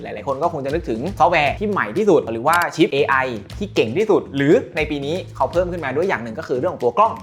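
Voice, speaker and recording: A man reviewing a smartphone in a casual, chatty way, with slang asides and quoted exclamations. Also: a little high. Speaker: tech reviewer.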